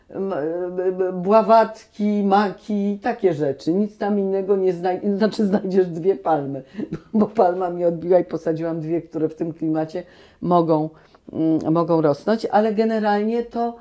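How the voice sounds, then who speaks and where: A woman in her sixties, a guest actress, recalling her life in a relaxed, animated way full of restarts, in a small cozy room on a lapel mic. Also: medium pitch, a little slow. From Poland. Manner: animated storytelling with many restarts. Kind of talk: relaxed reminiscing conversation.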